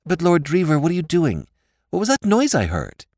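An earnest young woman pleads and coaxes in a raised voice, as a reader puts her on. Her pitch rises and falls widely, and the recording is dry. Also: wildly swooping pitch, moderate pace, a little mellow, no room sound. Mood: pleading. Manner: pleading, soothing. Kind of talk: audiobook character voice.

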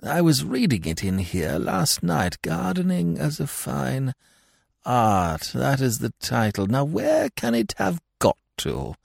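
A man's voice: mid-range voice, huge pitch swings, takes it slowly, creaky, breathy edge, no echo, clean studio sound, pitched above the performer's own voice, heavily acted. A man voicing a dreamy, benevolent elderly lord in an audiobook, murmuring absent-mindedly and repeating himself. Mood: dreamy, vague. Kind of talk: comic novel audiobook character voice.

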